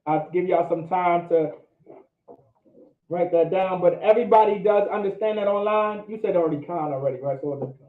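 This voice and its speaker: In an echoey room with phone-like audio, a man with a high-pitched voice lectures a language class at a moderate pace. He keeps checking in with "all right?" to make sure students understand, and presses his points emphatically.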